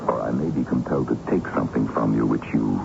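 An actor playing a menacing colonel with measured, threatening formality in a radio drama. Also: male voice, extremely low pitch, creaky, music in the background, exaggerated voice. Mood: cold menace. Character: menacing colonel calling in an old debt. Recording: dull, noisy old radio broadcast recording.

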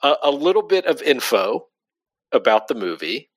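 A man's voice: fairly high pitch, sing-song, normal speed, gravelly, slightly rough. A man co-hosting a casual movie podcast, rambling and restarting his sentences and laughing often. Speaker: podcast co-host.

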